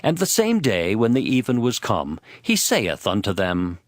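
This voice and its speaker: A man's voice: fairly low pitch, wildly swooping pitch, a little slow, dry recording, clean studio sound. A man narrating a scripted, dramatized scripture reading. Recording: faint music behind the voice. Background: music.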